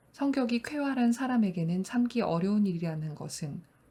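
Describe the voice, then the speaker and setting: Her voice has a dark, mellow tone, a medium pitch and a somewhat breathy quality, with very wide pitch swings. The woman speaks at a moderate pace in a calm, soothing tone. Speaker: audiobook narrator. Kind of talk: literary fiction reading.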